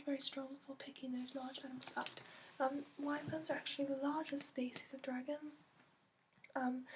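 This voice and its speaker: A woman with a put-on accent speaking softly and breathily in an ASMR roleplay, explaining gently and haltingly like a guide, with many pauses. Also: high-pitched, a little hiss or hum. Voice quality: soft, breathy, often whispery. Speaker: ASMR roleplay host playing a dragon expert.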